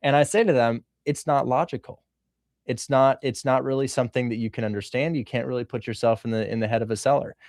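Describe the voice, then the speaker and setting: A man's voice: medium pitch, steady tone, quick pace, darkish tone, dry recording, studio quality. A man hosting a livestream interview about real estate wholesaling, talking with energy and repeating his questions. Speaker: host, wholesaling coach.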